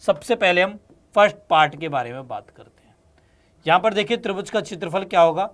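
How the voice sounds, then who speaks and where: A man with a high, slightly bright voice and lively intonation teaches maths at a brisk clip. He patiently explains each step of the solutions, calling his students "beta" and "bachche" and frequently checking that they're following.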